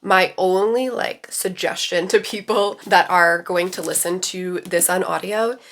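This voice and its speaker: A woman's voice: fairly low pitch, fairly even intonation, a little slow, fairly bright tone. A woman book vlogger with a congested voice, chatting casually at home in a rambling way with lots of fillers. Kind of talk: casual vlog chat.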